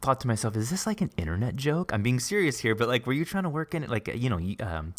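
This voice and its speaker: A man's voice: medium pitch, sing-song, fast talker. A man hosting a podcast interview in a casual, enthusiastic, informal way, with rambling questions. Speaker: podcast host interviewing a writer.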